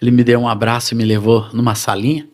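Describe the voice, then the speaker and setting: A man's voice: medium pitch, fast. Brazilian man telling his testimony. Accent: Brazilian Portuguese. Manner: animated, addressing the congregation as brothers. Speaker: preacher giving testimony. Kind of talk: sermon testimony storytelling.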